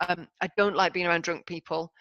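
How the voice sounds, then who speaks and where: A woman's voice: lowish voice, fairly even intonation, fast, pushed and bright, dry recording, highs cut off. A woman speaking as a podcast guest, candid, emphatic and self-deprecating in casual conversation. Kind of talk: candid casual interview talk.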